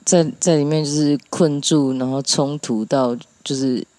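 A speaker with a Taiwanese Mandarin accent chatting casually and reflectively, pausing to find words and dropping in English. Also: mid-range voice, fairly even intonation, a little mellow, no room sound. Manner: halting, mixes in English words.

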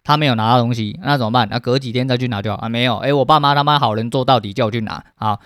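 A man's voice: medium pitch, rapid-fire, fairly bright tone, no echo. A man in his thirties with a Taiwanese Mandarin accent, hosting a solo podcast in a blunt, heavily profane way, his throat dry and scratchy. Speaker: podcast host. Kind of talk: casual solo podcast rant.

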